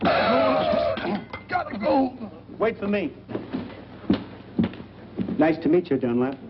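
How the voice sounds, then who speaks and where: Slow, high-voiced droll man. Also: big pitch swings, heavily acted. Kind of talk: 1940s film acting. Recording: muffled, very noisy 1940s film soundtrack.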